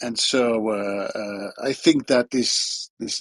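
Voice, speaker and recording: The speaker has a Dutch accent and a monotone, flat intonation. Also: man. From Netherlands. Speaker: voice actor. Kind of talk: casual chat. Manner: halting.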